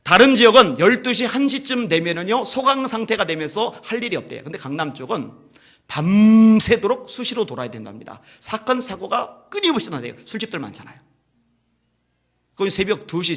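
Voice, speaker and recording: Bright high-voiced male pastor preaching. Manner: storytelling sermon, swinging from hushed lows to loud emphatic peaks; addresses the congregation directly with rhetorical questions. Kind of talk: sermon. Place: church service.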